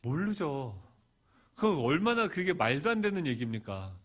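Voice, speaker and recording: A middle-aged male pastor preaching a storytelling sermon, swinging from hushed asides to loud, animated bursts. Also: fairly high pitch, normal speed.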